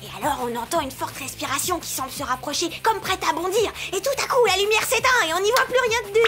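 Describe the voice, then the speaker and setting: A cheeky teenage girl spy with a very high voice. She is spirited and sassy in cartoon style, with loud music behind her. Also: fast talker. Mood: chatty. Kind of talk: cartoon dubbing. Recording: loud music over the dialogue.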